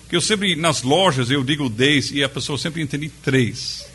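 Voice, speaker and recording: A man with a foreign accent in Portuguese, teaching a Bible study to a group in a conversational way, with pauses and questions to the audience. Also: on the high side, fairly bright tone, a little hiss or hum. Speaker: pastor.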